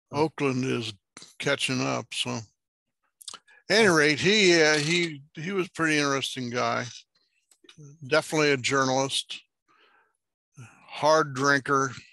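The voice has a bright, sharp tone and ordinary pitch variation, moving at a fairly slow pace with long, frequent pauses. The sound is dry with no echo, over a quiet background. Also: man. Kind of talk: casual conversation. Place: garden. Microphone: headset.

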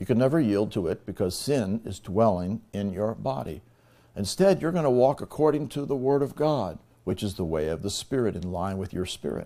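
Against a quiet background, a man with a dark, mellow tone speaks at a moderate pace using lively intonation. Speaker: preacher. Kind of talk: sermon. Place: church. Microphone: lapel.

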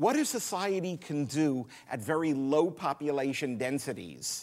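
Against a quiet background, a man speaks in an American accent with ordinary pitch variation. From US Northeast. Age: 60s. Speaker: marine conservation scientist; guest lecturer. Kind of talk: lecture. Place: hall. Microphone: podium.

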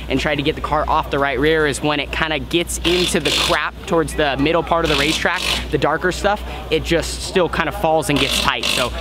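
A man at a fairly quick pace, dry sound with no echo, over loud background noise. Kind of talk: casual vlog chat. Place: open country. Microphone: phone near.

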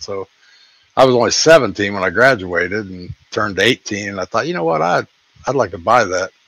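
The man's voice is fairly low, with ordinary pitch variation. He talks at a moderate pace, and the sound is dry with no echo. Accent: Midwestern American. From central Ohio. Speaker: retired police chief, sim racer; interview guest. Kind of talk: interview. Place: home room. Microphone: video call.

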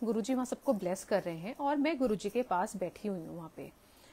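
This woman's intonation is lively. Her tone is dark and mellow. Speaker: devotee sharing satsang experiences. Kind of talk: testimony. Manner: hesitant fillers.

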